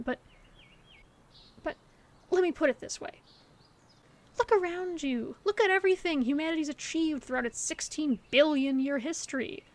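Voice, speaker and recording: A woman acting a gentle, hopeful best friend in an audio roleplay, talking to the listener in an earnest, reassuring, conversational way. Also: high-pitched. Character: gentle, hopeful female best friend comforting her secret crush. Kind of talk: scripted audio roleplay, intimate one-sided dialogue to the listener.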